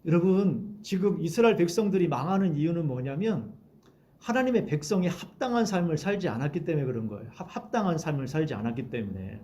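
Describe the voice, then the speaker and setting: A male pastor delivers a sermon in a conversational, animated way. His voice sits fairly high and swings widely in pitch, and he slips in short acted-out quotes of everyday people to make his points. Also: quick pace, lo-fi sound. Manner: lively conversational preaching, acts out quoted voices.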